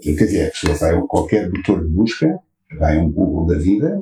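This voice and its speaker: A man is speaking. His pitch swings very widely. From Portugal. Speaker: medical doctor and author. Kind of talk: interview conversation. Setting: library recording room.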